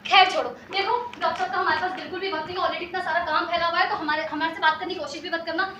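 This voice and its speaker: A woman's voice: very high-pitched, fairly even intonation, bright, forceful tone, a little hiss or hum. A woman playing a bossy chattering young daughter. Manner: rapid, bossy, rambling chatter. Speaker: bride-to-be. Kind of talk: stage comedy acting. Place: theatre stage. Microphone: distant stage mic. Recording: echoey theatre from far off, music.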